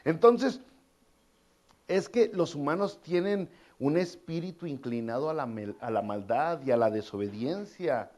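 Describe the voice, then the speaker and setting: Male pastor, fairly high voice, delivering a sermon in a loose, conversational way with casual asides. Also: expressive, a little slow, darkish tone. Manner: conversational preaching with colloquial asides and repeated phrases.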